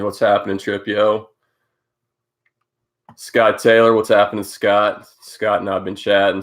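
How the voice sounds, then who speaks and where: Congested deep-voiced man hosting a live stream. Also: fairly bright tone. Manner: rambling, greeting viewers by name, many fillers. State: congested from a cold. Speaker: host of a live cycling update stream. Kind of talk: casual live-stream chat.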